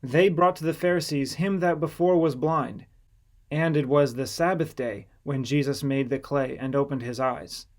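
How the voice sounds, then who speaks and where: A man's voice: on the high side, fairly even intonation, moderate pace. A man reading a scripted scripture narration as an audiobook narrator.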